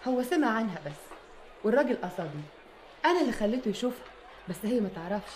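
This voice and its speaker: A woman's voice: fairly high pitch, sing-song, fast talker, darkish tone, a little hiss or hum. An actress playing a persuasive matchmaking woman in an Egyptian television drama, with an Egyptian accent.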